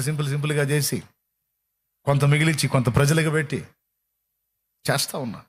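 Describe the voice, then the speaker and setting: A man preaching a sermon as pastor, repeating phrases and acting out prayers and dialogue. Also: on the high side. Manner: fervent preaching with repetition and quoted prayers. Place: church service.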